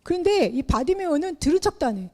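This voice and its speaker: A middle-aged woman preaching a sermon in an animated way, acting out the Bible characters as she tells their story. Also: high voice, quick pace. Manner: animated, acts out the Bible characters in her telling.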